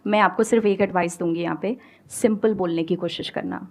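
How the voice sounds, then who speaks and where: A woman's voice: lowish voice, steady tone, fairly quick. A woman with an Indian accent giving an emphatic motivational talk on stage, switching between Hindi and English. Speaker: guest speaker.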